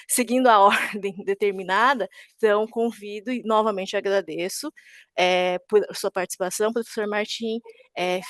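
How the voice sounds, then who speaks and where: Woman moderator on a video call, polite and brief, dry close sound, mid pitch. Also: dry recording. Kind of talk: moderating an online session.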